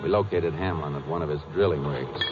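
An actor playing a calm, businesslike Texas Ranger in a 1950s radio western, terse and matter-of-fact, with an American accent. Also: male voice, extremely low pitch, brisk. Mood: measured narration. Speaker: lead actor and narrator. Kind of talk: 1950s radio western crime drama acting. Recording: muffled, noisy 1950s radio recording.

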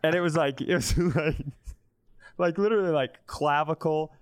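A man's voice: fairly high pitch, moderate pace. A man in his thirties talks as a comedy podcast co-host. He tells stories in a loose, conversational way, blunt and sweary, and slips into quoted lines to act them out. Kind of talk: animated casual comic storytelling.

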